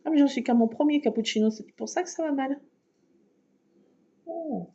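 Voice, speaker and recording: A woman's voice: high-pitched, fast talker, warm tone. A woman chatting casually while crafting, self-mocking and laughing often. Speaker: craft vlogger. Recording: dull lo-fi recording.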